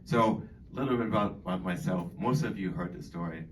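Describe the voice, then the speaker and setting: Speaking to residents in a community hall, a middle-aged dining director, born in Boston and raised in Germany, delivers an informal talk in a deep, brisk voice. He's chatty and rambling, drifting from point to point with lots of ums. He sounds distant from the mic, and faint background noise fills the pauses.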